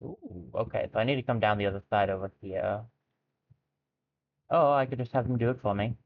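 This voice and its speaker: This brisk man with a lowish voice streams a video game, musing aloud in relaxed let's-play style and poking wry fun at himself. The audio sounds tinny, like a phone.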